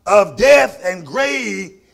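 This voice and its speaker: High-pitched gravelly Southern Black preacher man. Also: expressive, extremely slow, fairly bright tone. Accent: Southern African American English. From Mississippi, US. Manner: folksy, emphatic, repeats phrases for effect. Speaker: pastor preaching to a congregation. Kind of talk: sermon with call and response.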